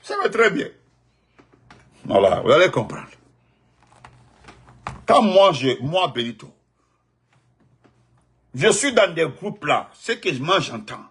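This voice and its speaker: A man with a Guinean French accent giving spontaneous political commentary, emphatic and repetitive, jumping from loud outbursts to muttered asides. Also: on the high side, sing-song, takes it slowly, long pauses, husky.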